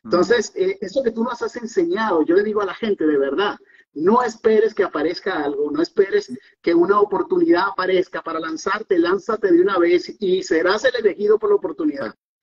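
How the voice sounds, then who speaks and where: A man's high-pitched voice at a fairly quick pace, with very wide pitch swings and a quiet background. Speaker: mentorship student testimonial; guest. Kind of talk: interview testimonial. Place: home room. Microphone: webcam.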